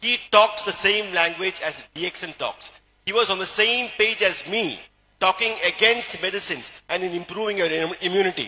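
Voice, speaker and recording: Speaking in a Keralan accent, a man with a high pitch uses a raised, projected voice and fairly even intonation. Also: moderate pace. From India, Kerala. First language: Malayalam. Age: 60s. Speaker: doctor and supplement business promoter. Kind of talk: motivational sales talk.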